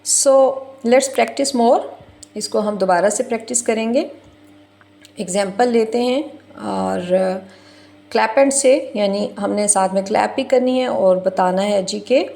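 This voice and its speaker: Slow, deliberate woman teacher. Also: mid-range voice, gravelly, warm tone. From Pakistan. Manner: slow and deliberate, repeats words and mixes English with Urdu. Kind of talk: recorded lesson for primary teachers.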